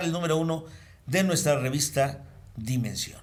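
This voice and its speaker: Audible room echo hangs on this recording. The voice belongs to a man. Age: 70s. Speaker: AA veteran sponsor. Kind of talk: casual chat.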